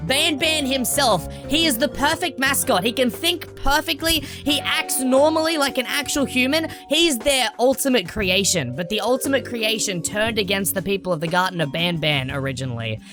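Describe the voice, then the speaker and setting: A woman's voice: on the high side, moderate pace, hardly any pauses. A woman hosting game lore commentary in a musing, explanatory manner. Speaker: video host. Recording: music under the voice.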